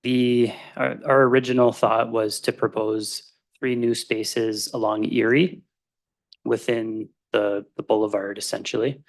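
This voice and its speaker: A man's voice: lowish voice, level tone, measured pace. A man, a planning consultant, formally answering council questions and addressing the chair, with frequent hesitations.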